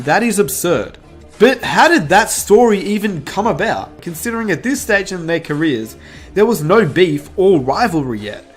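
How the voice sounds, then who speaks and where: A woman narrating a channel video, telling a story with lively emphasis and rising questions. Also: low voice. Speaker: YouTube narrator. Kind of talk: scripted narration. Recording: faint music underneath.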